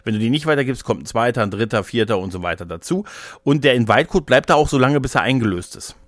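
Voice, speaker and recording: A man's voice: mid-range voice, lively intonation, quick pace, no room sound, studio quality. A man chatting casually as a podcast co-host, rambling along colloquially with English slang mixed in. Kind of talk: casual chat.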